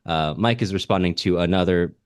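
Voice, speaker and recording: Deep-voiced man hosting a bookish podcast. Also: brisk, clean tone, no room sound, studio quality. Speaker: podcast host. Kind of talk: podcast commentary, reading listener comments aloud.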